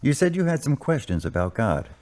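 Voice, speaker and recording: A man playing a patient, probing Catholic priest in an amateur audio drama, speaking in a measured, counselling way. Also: mid-range voice, very animated, darkish tone, natural voice. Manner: measured, counselling, formally worded.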